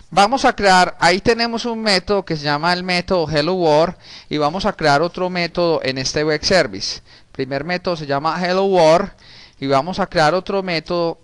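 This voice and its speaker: A man, teaching a programming class in a relaxed way while working on screen. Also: on the high side, clear, resonant tone, no echo. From Colombia. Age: 30s. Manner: casual, talks while typing, frequent restarts and diminutives. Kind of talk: recorded screen-share coding lesson.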